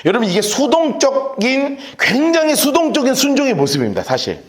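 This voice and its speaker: A male pastor preaching a sermon in a church on a handheld microphone, telling the story in an animated way and acting out the voices of the people in it. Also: extremely high pitch, a little fast. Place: church sanctuary. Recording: echoey church hall.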